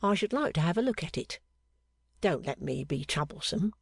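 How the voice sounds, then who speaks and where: A narrator voicing an odd, sharp-eyed male clerk who speaks low and confidingly, teasing with questions. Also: big pitch swings, moderate pace, gravelly, breathy edge, no room sound, studio quality, full character voice. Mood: playful fortune-telling. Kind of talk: audiobook character voice.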